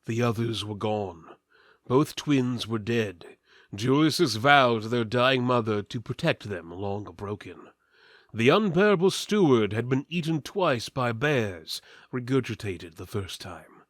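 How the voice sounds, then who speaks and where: A man's voice: mid-range voice, lively intonation, measured pace, no room sound, clean studio sound. Theatrical male narrator with sweeping, dramatic intonation. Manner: theatrical, portentous, mock-serious. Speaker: narrator, reader. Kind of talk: dramatic reading of mock-epic fantasy.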